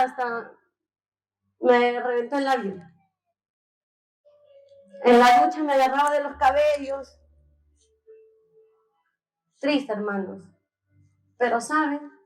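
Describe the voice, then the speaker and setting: A young woman from Peru giving an earnest, tearful testimony to a congregation, calling them brothers. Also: high-pitched. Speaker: church member giving testimony. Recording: echoey church hall.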